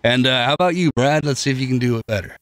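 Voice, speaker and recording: A man's voice: mid-range voice, rapid-fire, a bit bright, dry recording. A man chatting casually as the co-host of a podcast. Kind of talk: casual chat.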